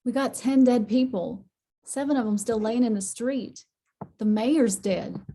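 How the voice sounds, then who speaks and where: A woman's voice: on the high side, unhurried, mellow, a little hiss or hum. A woman playing a tough, plainspoken miner's wife in a script read, wry and colloquial. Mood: worried. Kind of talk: screenplay table read.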